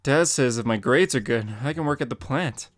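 A man's voice: mid-range voice, normal speed, dry recording, clean studio sound, natural voice. A man voicing a shy, hesitant young boy in an amateur comic reading.

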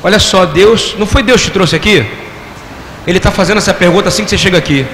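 High-voiced preacher in echoing church. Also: male voice, fast talker, fairly bright tone. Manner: interactive, has the congregation repeat phrases; rhetorical questions to the audience. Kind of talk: sermon. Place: church hall. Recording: echoey hall with long reverb, faint room noise.

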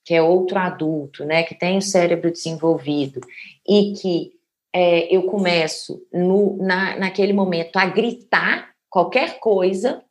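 A woman's voice: fairly low pitch, unhurried. Earnest woman sharing personal experiences. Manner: earnest, flowing, with frequent "né" tags.

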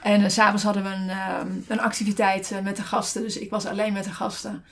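A woman's voice: mid-range voice, little pitch movement, quick pace, creaky, fairly bright tone. A woman co-hosting a casual podcast from a desk beside her partner, telling a story with many fillers and restarts. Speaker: podcast co-host.

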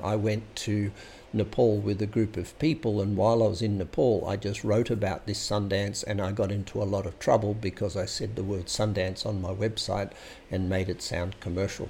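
A man's voice: on the low side, creaky, a little mellow, slight background noise. A man telling a long personal story in a rambling, hesitant, anecdotal way. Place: Sydney home base.

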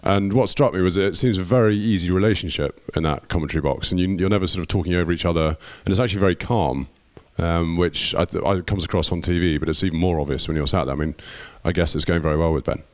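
Male panelist. Very low voice, rapid delivery, casual and eager. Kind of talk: casual chat.

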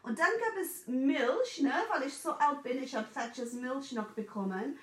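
English woman in her 40s, german chat, highish voice, kinda far off in a roomy space. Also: normal speed. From England. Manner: animated, mixes in English words, acts out quoted voices. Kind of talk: casual chat. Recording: echoey room, a bit off mic.

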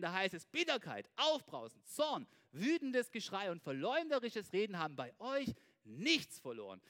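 A male preacher with a high, bright voice that swoops up and down as he talks. He preaches in a casual, animated way, turning to his listeners again and again with a quick question. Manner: animated, asks listeners "ja?" constantly. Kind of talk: informal sermon.

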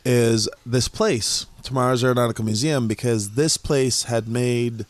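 A middle-aged man from Jamaica, a museum founder and guest, talking casually in a relaxed way with frequent pauses. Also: medium pitch, no echo. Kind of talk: casual conversation.

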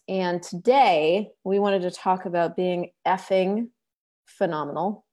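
A woman hosts a loose conversation over a video call. Her voice sits low for a woman, and her talk wanders, breaking off and restarting as she hunts for her point. She swears now and then without fuss. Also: a little mellow. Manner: scattered, self-interrupting, swears casually. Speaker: podcast host and facilitator. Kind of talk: casual video-call chat.

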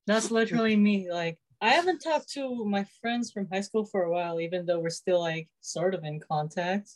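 A woman's voice: medium pitch, normal speed, rough recording. A woman in her twenties in casual, laid-back, wry conversation. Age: 20s. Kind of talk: casual chat on a video call.

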